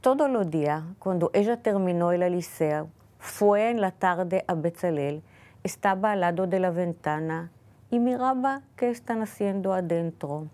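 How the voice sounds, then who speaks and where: An Israeli woman with a lowish, slightly mellow voice shares family stories as an interview guest. Her non-native Spanish is careful and a little halting.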